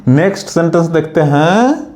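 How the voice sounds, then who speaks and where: A man teaching a spoken language lesson, saying each phrase slowly and carefully and repeating it for learners. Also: on the high side, expressive, a little mellow, soft background music.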